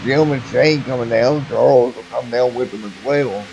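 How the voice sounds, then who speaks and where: Male race commentator, hoarse from a long call, steady play-by-play over music. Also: mid-range voice, moderate pace, muffled recording. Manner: steady play-by-play calling positions. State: losing his voice. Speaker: sim racing commentator. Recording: music playing behind voice.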